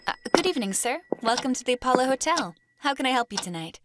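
A woman's voice: sits high, big pitch swings, fast, very noisy. A young woman playing a tired, reserved student who works late, speaking in a subdued, polite, hesitant way in an audio drama. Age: young adult.

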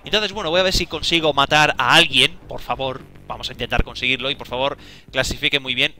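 A young man giving casual, excitable gameplay commentary, talking to himself and exclaiming often. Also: medium pitch, quick pace, slight background noise. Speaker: gaming video creator.

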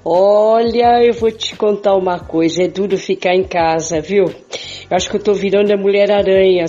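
Older Brazilian woman, chatty voice-message style, dark relaxed tone, slightly lo-fi. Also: mid-range voice. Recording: dull lo-fi audio with music.

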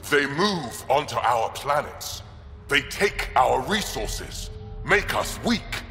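An actor playing a bitter, menacing alien zealot leader in a video game, speaking with theatrical contempt. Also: male voice, mid-range voice, very animated, takes it slowly, heavily acted. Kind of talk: video game cutscene acting. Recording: long reverb, loud game music.

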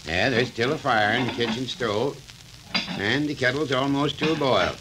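An older actor playing a genial, coaxing retired country doctor in a 1940s radio drama. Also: male voice, medium pitch, normal speed, lightly acted. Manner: soothing, folksy, coaxing. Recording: old radio recording with faint hiss.

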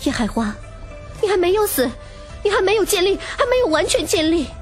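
A woman's voice: very high voice, very animated, brisk, faint music behind, voice pushed up. A woman voicing an emotional, strained young heroine struggling to survive in an audiobook. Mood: urgent self-urging.

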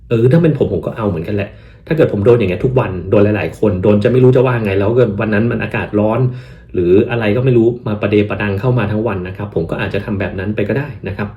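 A man's voice: fairly low pitch, quick pace, highs cut off. A man from Thailand talking casually as host, giving advice and acting out replies he would give. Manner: animated, acts out quoted replies in English.

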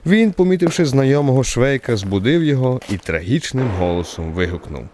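A man performs a wry storyteller narrating a radio play. His medium-pitched voice moves widely and theatrically through the tale, with faint noise and clicks in the recording. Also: big pitch swings, brisk, a little mellow, close to an everyday voice. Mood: wry, expressive. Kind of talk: dramatised literary narration for radio.

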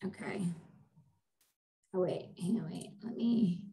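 Guest presenter, American woman, thirties, voice hoarse and giving out, casual conversational delivery over a video call. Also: fairly low pitch, slow pace, dark tone. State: hoarse, losing her voice. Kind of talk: casual interview talk. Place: indoor room, video call. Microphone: computer video-call microphone.

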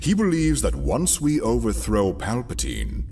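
An actor playing a calculating Imperial conspirator chairing a meeting, dry and deliberate, in an audio drama. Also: male voice, mid-range voice, huge pitch swings, gravelly, mellow, slight background noise, exaggerated voice. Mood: ominous, measured. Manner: deliberate, dry, theatrical pauses.

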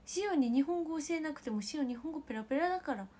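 Woman, Kansai accent, bright high voice, giggly, whispered asides, casual livestream chat, faint background noise. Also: animated, moderate pace. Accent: Kansai Japanese. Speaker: idol livestream host.

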